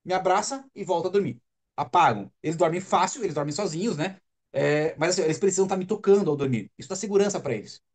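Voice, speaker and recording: A man's voice: high-pitched, quick pace, darkish tone. A Brazilian father giving a live stream talk, earnest and emphatic, repeating words to stress his point. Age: adult father. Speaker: speaker on autism parenting. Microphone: webcam or phone on a live stream.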